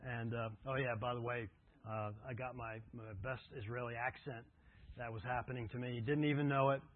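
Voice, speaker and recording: Over tinny, phone-like audio, a pastor with a medium-pitched voice preaches a little fast and with little pitch movement. He tells travel stories conversationally before earnestly urging his congregation toward devotion.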